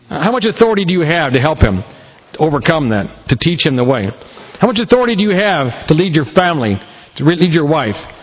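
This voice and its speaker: The pace is very fast and the pitch swings very widely, over noticeable background noise. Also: man, fairly high pitch for a man. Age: 50s. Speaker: preacher. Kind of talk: sermon.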